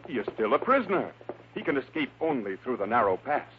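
At a fast clip and in a sing-song, medium-pitched voice, a man narrates a suspenseful 1950s radio adventure serial. The scripted delivery is theatrical, and the old radio audio is tinny and noisy.

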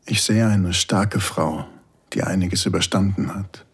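A man's voice: sits low, steady tone, a little slow, breathy edge, heavily acted. A man acting a commanding, reassuring lover in an intimate erotic audio drama, murmuring breathily right in the ear, often near a whisper. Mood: admiring, desiring. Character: commanding, reassuring male lover, tender and desiring.

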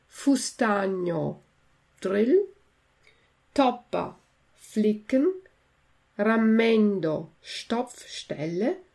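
A woman teacher reading a story aloud and then going through vocabulary words slowly and carefully. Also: mid-range voice, darkish tone. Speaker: language teacher.

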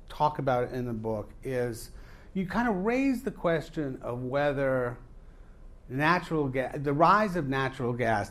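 Man, interviewer, live audience event, middle pitch, meandering questions, probing. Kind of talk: live public conversation.

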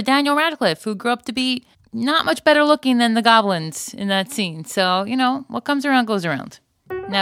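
A woman hosting a solo podcast in a chatty, conversational way, with wry, joking asides. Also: medium pitch. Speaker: podcast host.

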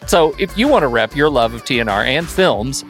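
A man's voice: medium pitch, expressive, moderate pace, fairly bright tone, faint music behind. A man co-hosting a film podcast, reading a scripted sponsor and merch spot in a chirpy, salesy way. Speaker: podcast host. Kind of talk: scripted ad read.

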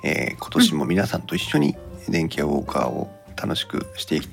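A man's voice: a bass voice, big pitch swings, moderate pace, vocal fry, faint music behind. A man hosting a podcast in casual chat about gadgets, thinking aloud and turning polite when addressing listeners. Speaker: podcast host.

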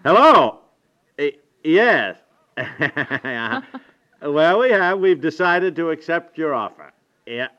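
A man's voice: a little high, very animated, slow pace, bright, forceful tone, exaggerated voice. An actor playing a flustered, indecisive, good-natured middle-aged American husband in a 1950s radio comedy, stammering and repeating his words. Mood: polite, sheepish. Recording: dull vintage 1950s radio recording.

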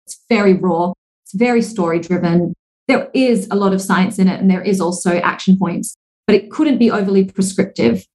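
Here a woman from Singapore in her thirties, an author and speaker, talks casually as a podcast guest with fluent energy at a middle pitch. Her sentences run on at length, dotted with "like" and "you know." The recording is low quality.

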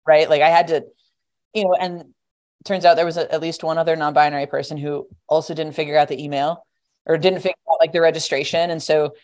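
A young adult guest on a podcast, talking casually and rambling, with lots of "like" and "you know.". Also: female voice, sits low, fairly even intonation, fast, darkish tone.

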